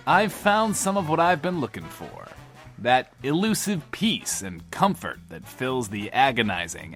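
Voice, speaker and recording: A manic, lonely DJ broadcasting from a post-apocalyptic bunker in a comic radio drama. His theatrical, rambling delivery swoops widely in pitch, and he hosts like a showman talking about himself in the third person. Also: a bit bright. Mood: exuberant. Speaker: radio show host.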